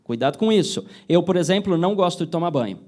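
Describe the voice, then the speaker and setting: A man with a Brazilian Portuguese accent gives a motivational talk to a live group, his voice pitched high for a man. He keeps asking the crowd yes-or-no questions and slips into quick acted-out bits of dialogue. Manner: lively, asks the audience yes-or-no questions, acts out little scenes. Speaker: speaker giving a motivational talk. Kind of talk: interactive motivational lecture.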